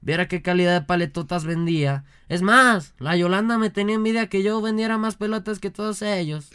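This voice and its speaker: A man's voice: sits high, steady tone, fairly quick, a bit bright, clear, resonant tone. A man with a Mexican accent playing a boastful, clueless job seeker in a radio comedy sketch, rambling on in slangy street talk.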